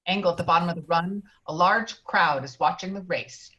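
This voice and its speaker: A woman's voice: on the low side, fairly quick, fairly bright tone. A woman reading screenplay stage directions as scripted narration, heard through slightly dull online audio.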